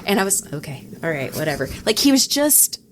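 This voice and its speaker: A woman's voice: mid-range voice, very animated, brisk, fairly bright tone, a little hiss or hum. A woman who works in radio, chatting casually and acting out remembered exchanges as a podcast co-host. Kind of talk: casual conversational storytelling.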